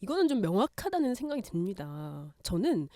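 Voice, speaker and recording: Lively woman arguing mock-seriously. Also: medium pitch, brisk, dry recording. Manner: confident, teasing, mock-serious argument. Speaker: debater. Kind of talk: playful mock debate.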